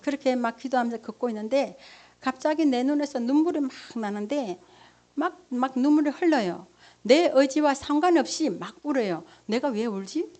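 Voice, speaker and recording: A middle-aged pastor's wife preaches through a personal testimony, her fairly high voice full of feeling. She acts out her own prayers and conversations as she tells the story. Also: lively intonation, normal speed, darkish tone. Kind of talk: testimony sermon.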